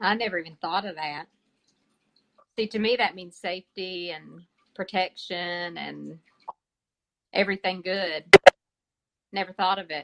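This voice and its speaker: A woman with a Southern US accent and a medium-pitched voice, fairly slow and fairly even in intonation, with big swings in loudness and long, frequent pauses. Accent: Southern American. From Tennessee, USA. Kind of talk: interview answer.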